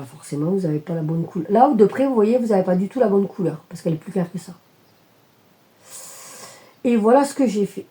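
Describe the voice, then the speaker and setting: A woman's voice: medium pitch, dark tone. A woman showing her cross-stitch work in a casual video chat, talking hesitantly with many fillers and self-corrections. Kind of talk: casual show-and-tell chat.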